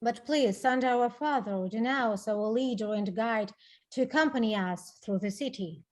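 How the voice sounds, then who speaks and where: An actress playing an anxious, respectful suppliant in a Greek tragedy chorus. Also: female voice, on the high side, moderate pace, a little mellow, close to an everyday voice. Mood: requesting. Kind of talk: dramatic reading of ancient Greek tragedy.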